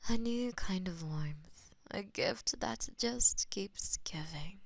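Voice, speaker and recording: A woman playing a possessive, lovestruck goddess of death in an intimate romantic audio roleplay, with a breathy, theatrical delivery that often drops to whispers. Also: mid-range voice, slow pace, no echo. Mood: drowsy affection.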